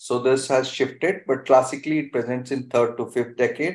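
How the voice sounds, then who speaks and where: Room echo is audible as a man talks. His pace is moderate and his intonation fairly even. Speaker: presenter. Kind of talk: lecture. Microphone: video call.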